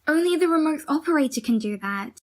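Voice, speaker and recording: A woman's voice: high-pitched, lively intonation, a little fast. A woman playing a stern, bossy, condescending young twin sister in an audio drama. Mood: dry.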